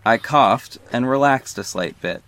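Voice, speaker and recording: A man's voice: medium pitch, lively intonation, unhurried, fairly bright tone. A man acting as a wry gay narrator who tells his own story in an audio drama, with snarky, confiding asides. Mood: guarded. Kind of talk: first-person scripted narration in audio drama.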